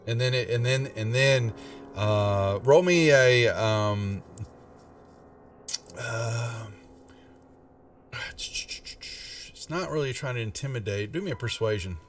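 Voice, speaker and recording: A man narrating a casual tabletop game as game master, halting and often restarting his phrases. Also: medium pitch. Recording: distant mic with music behind. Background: background music.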